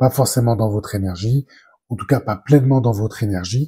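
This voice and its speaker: In a very clean recording with a silent background, a man at medium pitch speaks at a moderate pace in a somewhat breathy voice with ordinary pitch variation. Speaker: spiritual guidance reader. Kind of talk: oracle card reading. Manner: hesitant, many fillers.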